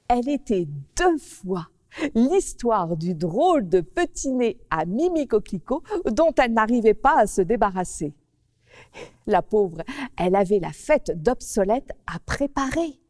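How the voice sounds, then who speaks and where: A woman storyteller gently addressing children in a slow sing-song manner on a children's TV show. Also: mid-range voice, no room sound, studio quality.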